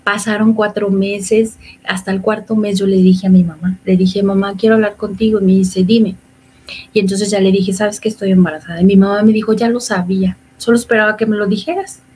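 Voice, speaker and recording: A woman's voice: medium pitch, steady tone, fairly quick, a little mellow, a little hiss or hum. A woman, telling her personal story as an interview guest, often acting out what others said. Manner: emotional storytelling, quoting others. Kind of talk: personal testimony.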